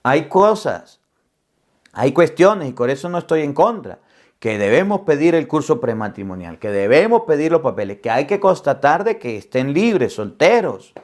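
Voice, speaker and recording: Animated priest telling a story. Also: male voice, fairly high pitch, moderate pace. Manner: animated storyteller, acts out quoted dialogue. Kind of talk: storytelling homily.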